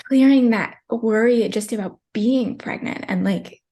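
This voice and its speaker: A woman's voice: on the high side, measured pace, warm tone. A young woman in her twenties, a podcast guest telling a personal birth story in a chatty, emotional way with many fillers. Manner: tearful at times, chatty with many likes.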